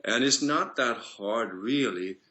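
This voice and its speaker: A man's voice: medium pitch, slow pace, pushed and bright. A man working as a voice and singing coach, answering interview questions in an earnest, flowing way.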